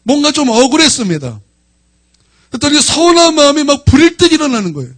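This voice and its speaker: A man in his forties preaching a sermon as a pastor. His voice sits high and moves a lot in pitch. He tells personal stories emotionally, rising to loud outbursts and dropping to quiet asides. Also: big pitch swings, quick pace.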